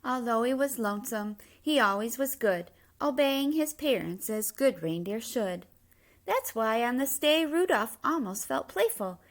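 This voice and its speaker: A woman reading a children's picture book aloud, with measured, expressive storytelling in rhyme. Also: a little high. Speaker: story reader.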